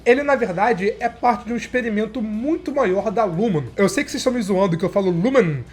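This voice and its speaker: A Brazilian man with a high-pitched voice and a Brazilian Portuguese accent talks briskly despite a stuffed nose and sore throat that make him sound nasal and stuffy. In a casual video, he enthusiastically reviews a TV series for his viewers.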